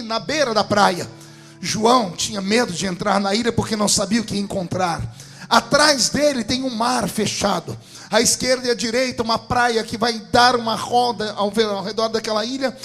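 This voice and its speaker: A pastor preaching a dramatic sermon in Brazilian Portuguese, telling a story that swells into shouting. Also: male voice, very high voice, moderate pace, faint music behind.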